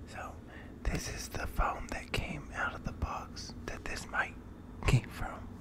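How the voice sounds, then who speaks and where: Whispering at a very slow pace, a man speaks. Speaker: ASMR creator. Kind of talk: ASMR video narration to camera. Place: empty room. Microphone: studio mic.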